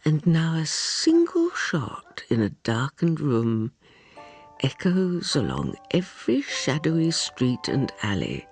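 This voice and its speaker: As a flamboyant storyteller in a radio play, with a lively, swooping voice and a slow, savoring delivery. Music plays clearly behind the narration. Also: medium pitch, heavily acted. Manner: flamboyant, sing-song, addresses listeners.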